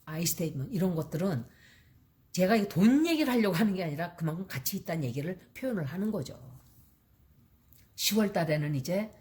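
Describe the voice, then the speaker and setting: A woman's voice: on the low side, expressive, moderate pace, a little mellow. A woman astrologer giving casual spoken horoscope advice, chatty and repetitive, mixing in English terms and acting out short example dialogues. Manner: mixes English terms into her talk. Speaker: astrologer and tarot reader.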